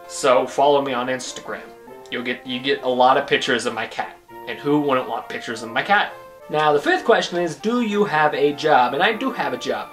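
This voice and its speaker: Faint background music plays as a YouTube vlogger in his twenties fields questions about himself, wandering off into jokes. He has a mid-range, slightly bright voice and talks at normal speed.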